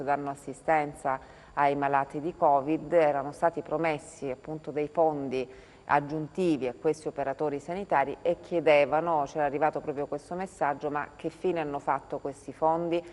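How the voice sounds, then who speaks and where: A woman presents a live talk show. Her voice is very deep for a woman. It rings with a long hall-like reverb. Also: a little mellow. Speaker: presenter of a call-in programme.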